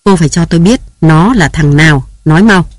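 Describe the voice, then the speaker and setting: A man's voice: on the high side, a little fast, dry recording, studio quality, lightly acted. A man reading aloud who voices a jealous, domineering young husband barking harsh commands and threats. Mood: furious.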